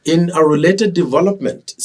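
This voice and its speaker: Nigerian guy anchoring tv news, formal measured reading, bit husky, sounds a little off the mic. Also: on the high side, darkish tone, recorded from a distance.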